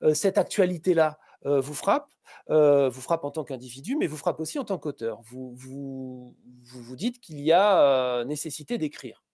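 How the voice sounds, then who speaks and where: A man in his fifties interviewing an author over a video call, halting often with filler sounds and restarting his sentences. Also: a little high, lively intonation, a little mellow, dry recording, studio quality. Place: room with posters behind. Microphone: webcam on a video call.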